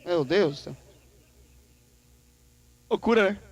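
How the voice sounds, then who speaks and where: A man's voice: high voice, takes it slowly, breathy edge, no room sound. A man preaching a sermon in a Brazilian Portuguese accent, playful and joking, acting out dialogues in shifting voices. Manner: animated, acts out dialogues with God in shifting voices; playful, joking and laughing with the congregation. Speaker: pastor. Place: church service.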